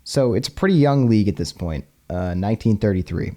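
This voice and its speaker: A man hosting a casual history podcast, chatty and quick to laugh. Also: fairly low pitch, lively intonation, dark tone. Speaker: podcast host.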